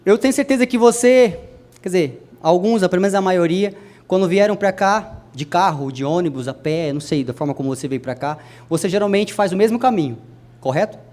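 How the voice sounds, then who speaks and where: A young adult man preaching a sermon to a congregation, speaking to them directly and swinging his voice from soft to loud. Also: animated, fairly quick. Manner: addresses the congregation directly, wide swings in pitch and loudness.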